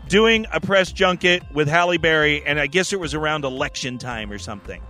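A man hosting a podcast, telling stories in a profane, animated casual chat. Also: on the high side, a little fast, soft background music. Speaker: podcast host.

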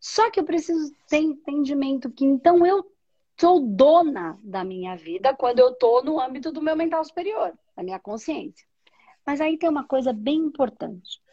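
A woman's voice: high-pitched, lively intonation, normal speed, dark tone, lo-fi sound. A woman talking about spirituality, reflective, often asking questions and answering them herself. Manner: reflective, asks and answers her own questions. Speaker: spiritual teacher. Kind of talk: spiritual conversation.

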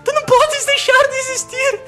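A woman's voice: very high voice, flat delivery, moderate pace, over loud music. A woman playing an earnest, tender young boy in a melodramatic comedic radio drama, with pleading, formal speech. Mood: distraught, tearful. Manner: melodramatic, formal old-fashioned wording.

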